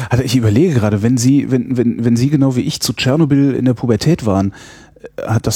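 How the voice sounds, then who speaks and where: Very fast speech comes in a dark, mellow tone. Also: man. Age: 40s. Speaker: podcast host. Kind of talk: interview. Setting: in-person interview at guest's institute. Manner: hesitant, many fillers.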